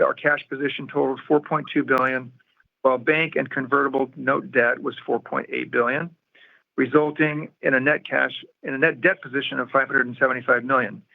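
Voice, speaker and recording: A man's voice: medium pitch, vocal fry. A man formally reading a scripted financial report in a matter-of-fact way, as a company executive on an earnings call. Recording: muffled, narrow-band phone conference line.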